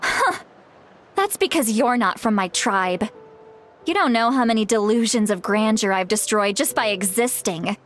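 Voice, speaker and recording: A woman's voice: fairly high pitch, lively intonation, moderate pace, a bit bright, slight background noise. An actress playing a frank, self-deprecating tribal elder woman in a video game, speaking casually with wry, hesitant asides. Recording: music behind the voice.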